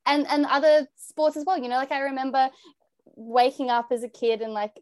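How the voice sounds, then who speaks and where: A young woman with an Australian accent and a high, youthful voice, chatting openly as a podcast guest. She talks in an earnest, rambling way, full of "like" and "um". The sound is dry and close, with no room behind her. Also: level tone, fairly quick, no room sound. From New South Wales, Australia. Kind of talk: casual interview chat.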